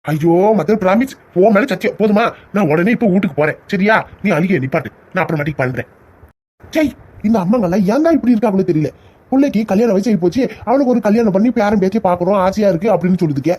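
A man's voice: sits high, lively intonation, fast, darkish tone. A man voicing a harried young man in a cartoon, stammering and muttering complaints to himself. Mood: grumbling. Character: flustered young man, harried son caught between mother and fiancée. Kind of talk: cartoon comedy voice acting.

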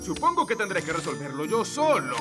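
A man voicing a pompous, excitable, grumpy middle-aged fairy king in a children's cartoon, with a Latin American Spanish accent. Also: sits high, brisk. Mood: calmer. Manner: blustering, indignant, pompous. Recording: music behind the voice.

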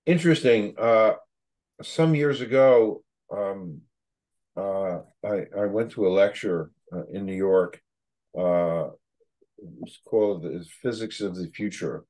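An older man with a fairly low voice hosts a casual interview over a video call. He rambles in an emphatic way, often doubling back on words to stress them. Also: slow pace, a little mellow. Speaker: show host. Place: home office on a video call.

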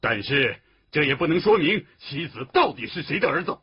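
A man's voice: a little high, big pitch swings, normal speed, slightly rough. An actor playing a cunning, imperious older king who gives commands and mocks, in a period drama. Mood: stern. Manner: commanding, with mocking laughs. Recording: dull lo-fi TV audio. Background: score music.

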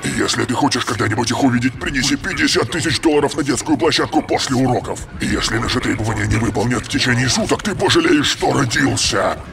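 A man's voice: mid-range voice, lively intonation, fast, creaky, few pauses, a crowd in the background. An actor playing a menacing male kidnapper in a cartoon dub, threatening as he reads out demands. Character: menacing adult kidnapper dictating a ransom note. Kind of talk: dubbed cartoon acting.

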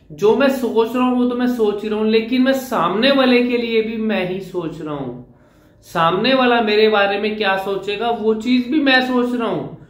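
A man's voice: sits high, roomy sound. A man from India, a public speaking coach, giving an earnest talk to camera and answering his own questions.

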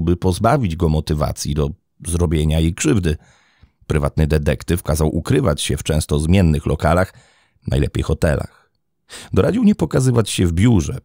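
Male true-crime narrator: low gravelly voice, dark tone, dramatic expressive read. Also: no echo, clean studio sound.

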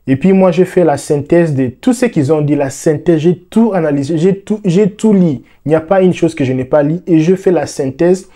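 A young Congolese man explaining the news to the camera, with lots of repeated words and fillers, on a lapel mic in a dark room. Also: a little high, moderate pace, few pauses. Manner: animated, repeats words, many "euh" fillers. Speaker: vlogger.

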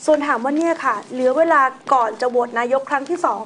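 A woman hosting a news talk show, reading items and chatting about them in a relaxed, conversational way. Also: high-pitched, fast talker, slight background noise.

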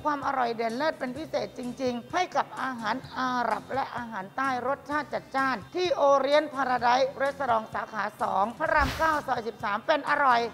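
A woman in her forties hosting a restaurant food show, chatty and sweet, talking with the chef in a bright dining room. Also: high voice, moderate pace, few pauses. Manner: chatty, sweet, ends with polite particles.

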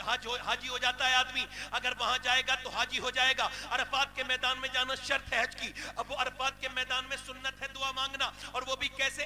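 A man preaching a religious sermon, telling stories with impassioned swings between loud outbursts and hushed lines. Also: extremely high pitch. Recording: clear background music.

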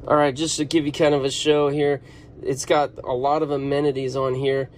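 A man's voice: mid-range voice, level tone, normal speed, slight background noise. A man chatting offhandedly as he shows around a van, filming on a handheld phone. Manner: chatty, offhand, thinking aloud. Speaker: vlogger. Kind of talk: casual walkaround video. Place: inside a parked van.

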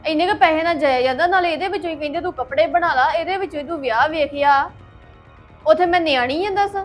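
A young woman playing a young woman of the house who complains fast and grumbles. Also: sits high, soft background music, natural voice. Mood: grumbling. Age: young adult.

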